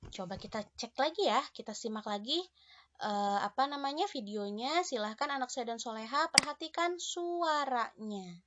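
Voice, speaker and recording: A woman teaching young children in an online lesson, gentle and encouraging, checking in with them often. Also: fairly high pitch, lively intonation, moderate pace, muffled recording. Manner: gentle, encouraging, addresses pupils warmly with many "ya" and "nah".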